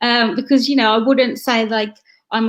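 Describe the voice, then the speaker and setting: A woman with a Midlands accent speaks at a fairly high pitch in a somewhat breathy voice. Her intonation is flat and monotone. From English Midlands, near Birmingham. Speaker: entrepreneur. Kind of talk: interview conversation.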